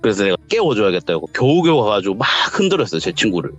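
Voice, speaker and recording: Rattling along rapid-fire in a lowish voice, a man shares a true ghost story in a casual, animated way, performing the different voices of the quoted dialogue. Faint music plays behind the dull, lo-fi recording.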